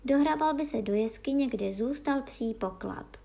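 A woman's voice: a little high, vocal fry, warm tone. A woman voicing an old female dog fairy who tells tales in a savouring, storytelling manner.

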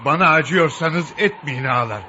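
An actor playing a pious old camel driver who gently pleads and rebukes. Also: male voice, on the high side, moderate pace. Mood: pleading. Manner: pleading, then solemn. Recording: dull audio with faint noise.

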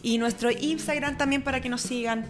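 Higher-pitched Chilean woman, casual radio guest. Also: fairly even intonation, brisk. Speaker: interview guest, ranchera band member. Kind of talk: casual chat. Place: online radio studio.

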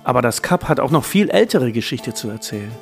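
A man's voice: mid-range voice, big pitch swings, a little fast, creaky. A man reading scripted narration for an audio walk. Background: faint guitar music.

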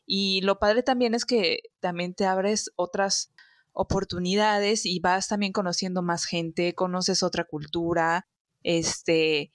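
Podcast host, woman, Mexican accent, low-ish voice, dry sound, loose and chatty. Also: fairly even intonation, takes it slowly, no echo. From Veracruz, Mexico. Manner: chatty, many fillers. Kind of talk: casual chat.

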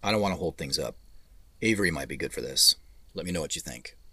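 An actor playing a weary, polite tech CEO dictating messages in short, measured, businesslike phrases. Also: male voice, extremely low pitch, lively intonation, sharp tone, no room sound, heavily acted.

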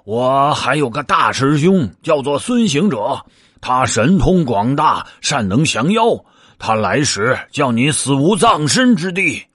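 A man's voice: medium pitch, very animated, measured pace, fairly bright tone, husky, no echo, studio quality, voice pushed up, exaggerated voice. A man voicing a sly, lazy male pig disciple who coaxes and pleads with hesitant fillers. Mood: coaxing.

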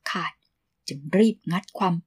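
A woman narrating a romance novel in a calm, measured storytelling manner. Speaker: audiobook narrator. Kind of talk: novel reading.

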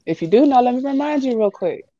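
A woman's voice: high voice, expressive, fast, dark tone, no echo, muffled recording. A woman co-hosting panel banter with a campy, theatrical, diva-like delivery. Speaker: show co-host.

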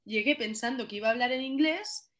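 Bright-voiced young Spanish actress. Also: female voice, a little high, fast talker. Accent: Spanish from Spain. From Catalonia, Spain. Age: 20s. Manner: apologetic, self-deprecating, chatty. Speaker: actress guest. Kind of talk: casual interview.

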